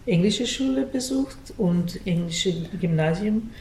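A Russian-native woman from Canada, older, explaining patiently in a radio interview and often pausing to search for words. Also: mid-range voice, expressive, a little mellow, a little hiss or hum. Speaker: ballet school director. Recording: distant, roomy, faint ambience.

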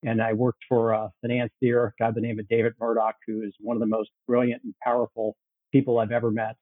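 Man, 60s, from Chicago, quick methodical speech, dry close sound. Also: medium pitch, monotone, no echo. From Chicago, USA. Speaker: guest cofounder. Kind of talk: storytelling interview answers. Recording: tinny phone-like line, dry.

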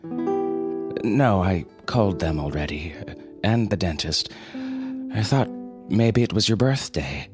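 Older forgetful professor dad, doddering and vague, low voice, put on by a male narrator. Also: lively intonation, slow pace, long pauses, over music. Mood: muddled. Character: elderly absent-minded professor father, secretly defending Earth.

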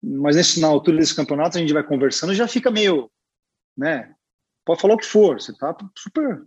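A man with a Brazilian Portuguese accent, a guest illustrator telling a story in a chatty, animated way with lots of fillers. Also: a little high, normal speed, breathy edge, muffled recording. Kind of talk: casual storytelling.

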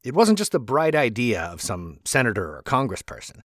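A man's voice: mid-range voice, big pitch swings, normal speed, no echo, clean studio sound. A man hosting a podcast, reading a history narration with chatty asides. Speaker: podcast host and author.

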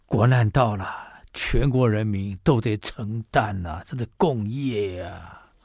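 A man's voice: on the low side, slow, gravelly, a little mellow, slightly rough, no room sound, exaggerated voice. Fiery old commoner rebuking his ruler, pleading then indignant, dry close sound, as a storyteller puts him on. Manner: pleading, rising to indignant outbursts. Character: impassioned old male commoner scolding the emperor.

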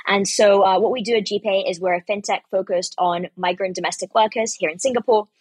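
A woman's voice: mid-range voice, fairly even intonation, a little mellow, breathy edge, no echo. A woman from Ukraine, a startup founder, answering interview questions fluently, with frequent ums and uhs. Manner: fluent, brisk, with fillers like um and uh.

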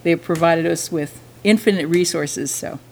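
A woman in her fifties talks warmly about teaching, in a slightly low voice. She is chatty and enthusiastic, pausing with small fillers as she goes. Faint background noise sits under her words. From Vermont, USA. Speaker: musician and French teacher. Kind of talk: casual interview talk.

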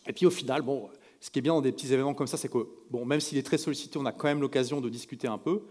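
A man's voice: mid-range voice, very fast. Frenchman telling stories in an echoey hall. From France. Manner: lively anecdotes, acting out the people he quotes. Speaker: speaker at a live event. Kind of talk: storytelling talk to a live audience. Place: stage in a large event hall.

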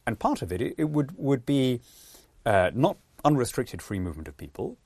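A man's voice: medium pitch, normal speed, no room sound. A man with a British accent, a podcast guest, talking animatedly, acting out quotes with many restarts. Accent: British English. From born in Peru, lives in England. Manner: lively storyteller, acts out quotes, frequent restarts. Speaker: guest, politician.

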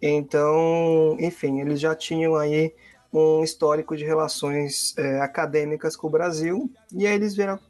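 A man from Cuba, a professor, giving relaxed, friendly answers in an interview, often restarting his phrases. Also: fairly high pitch, normal speed. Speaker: guest, international relations professor.

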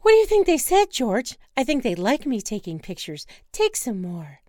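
A woman voicing an excitable, gushing wife who loves penguins. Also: a little high, normal speed, no room sound, clean studio sound, pitched above the performer's own voice. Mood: excited. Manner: gushing, squealing, giddy. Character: excitable penguin-loving middle-aged wife.

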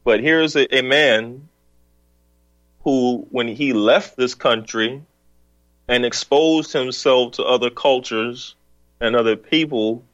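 A man hosting a call-in radio talk show, speaking in a measured, reflective way while feeling ill. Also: medium pitch, a bit bright, no room sound, lo-fi sound. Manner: measured, reflective, hums along with the caller.

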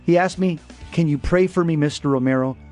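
A man's voice: a little high, a little fast, darkish tone, soft background music. A man co-hosting a Catholic radio talk show, telling stories and teaching in an earnest, emphatic way.

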